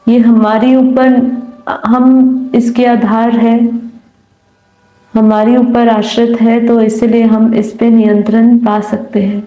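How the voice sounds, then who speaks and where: A woman guiding a meditation in a soothing, unhurried manner with long pauses. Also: on the high side, level tone, phone-quality sound. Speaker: meditation guide. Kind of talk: guided meditation, slow calm instruction. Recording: roomy echo. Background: faint music.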